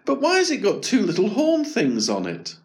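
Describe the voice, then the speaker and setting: A man voicing a curious, excitable young boy in a storybook reading, full of eager questions. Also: high voice, normal speed, voice pushed up, exaggerated voice.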